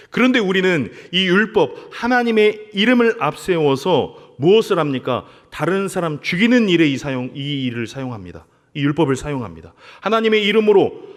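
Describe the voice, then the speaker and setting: A man preaching a sermon as pastor, earnestly addressing his congregation during worship in a church sanctuary. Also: fairly high pitch. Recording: long reverb of a church hall.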